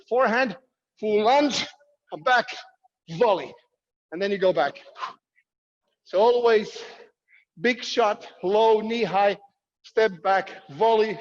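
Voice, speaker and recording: A man coaching a fitness workout, giving instructions and calling out drills in short commands with encouragement. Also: sits high. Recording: muffled, echoey hall sound.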